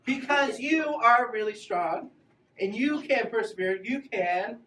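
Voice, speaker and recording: A woman teaching a children's Bible class in a playful, animated way, coaxing the kids to join in. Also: a little high, measured pace, distant mic. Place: large echoey room with a group of children. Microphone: camera at a distance. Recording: roomy echo, recorded from afar.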